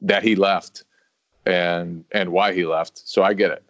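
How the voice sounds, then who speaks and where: Low-voiced easygoing man on a podcast. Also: fairly even intonation, measured pace, a bit bright, no room sound. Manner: easygoing, self-mocking, stumbles and restarts. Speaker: sports podcast co-host. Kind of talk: casual sports podcast chat. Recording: dry, slightly dull lo-fi audio.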